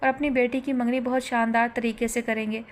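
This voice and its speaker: A woman's voice: on the high side, flat delivery, brisk, slight background noise, lightly acted. A woman voicing a caring, worried mother asking anxious questions in an audiobook. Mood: concerned. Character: worried loving mother abroad on the phone.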